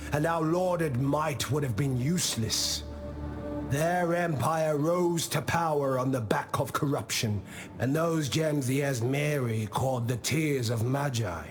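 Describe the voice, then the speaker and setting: Man voicing a slow-spoken, wise old tribal elder. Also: on the high side, close to an everyday voice. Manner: measured, solemn, philosophical storytelling. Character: wise old tribal diplomat, calm, patient, gently stern. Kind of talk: scripted video game character monologue. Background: music.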